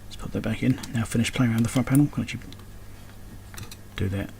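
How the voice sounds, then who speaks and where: A man's voice: medium pitch, steady tone, fast, mellow. A man giving casual hands-on commentary, muttering to himself as he works at a bench indoors. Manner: muttering to himself while working. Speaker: electronics repair video host. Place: indoor electronics workbench. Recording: clearly noisy workbench recording.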